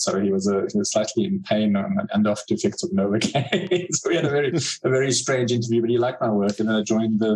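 A man's voice: lowish voice, darkish tone, rough recording. A middle-aged man from South Africa, a cartoonist talking casually in an interview, with many fillers and restarts. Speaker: cartoonist guest.

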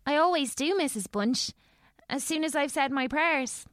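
A woman's voice: sits high, moderate pace, a bit bright, no room sound, clean studio sound. A woman playing a polite, earnest young boy in an audio drama.

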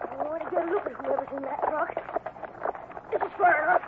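An actor playing an eager, impatient boy cowboy hero in an old American radio adventure, excitable and urgent. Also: extremely high pitch, brisk. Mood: urgent, commanding. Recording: noisy, narrow-band old radio recording.

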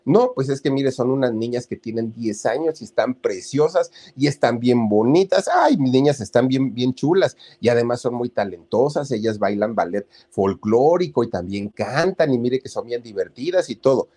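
A man's voice: mid-range voice, expressive, moderate pace, few pauses, warm tone, lightly acted. A man with a Mexican accent voicing an eager, pleading middle-aged mother who insists on her daughters' talent.

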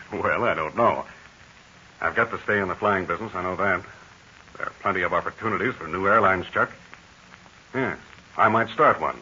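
A man's voice: deep voice, normal speed, pauses often, sharp tone. An actor playing an easygoing, fatherly aviator hero in 1940s radio style. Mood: cheerful. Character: easygoing, fatherly aviator hero leading his young companions. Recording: dull, hissy 1940s radio recording.

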